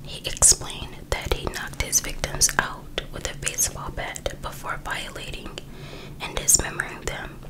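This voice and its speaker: A woman reads aloud in an unvoiced, breathy ASMR whisper, in an informal, casual way. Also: measured pace, poor audio. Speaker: ASMR host reading a true crime book.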